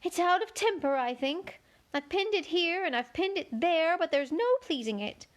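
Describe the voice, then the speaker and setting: A woman reading aloud and voicing the White Queen, a flustered, helpless older queen who talks in a high, plaintive, fluttery voice. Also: lively intonation, normal speed. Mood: fussy.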